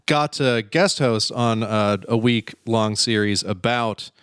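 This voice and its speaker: A man's voice: fairly low pitch, slow, fairly bright tone, clear, resonant tone, no room sound, studio quality. A man co-hosting a podcast, chatting and rambling casually about comics. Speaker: podcast co-host. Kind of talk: casual comic book discussion.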